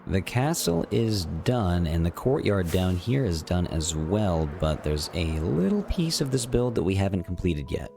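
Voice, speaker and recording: A man's voice: low-pitched, very animated, measured pace, gravelly, few pauses, mellow, a little hiss or hum. A man with a slight cold giving casual, chatty gameplay commentary as host of a gaming series, thinking aloud as he goes. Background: music.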